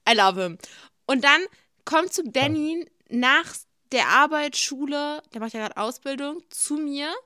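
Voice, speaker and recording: A woman co-hosting a casual podcast, telling stories in an animated way and often laughing, on a close mic. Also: high-pitched, unhurried, no room sound. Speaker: podcast co-host. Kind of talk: casual chat.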